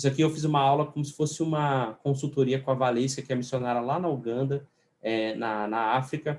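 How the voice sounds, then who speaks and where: Fairly brisk speech from a man with a mid-range pitch. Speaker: online course instructor for missionaries. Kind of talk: live online class. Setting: live stream. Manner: fast; animated.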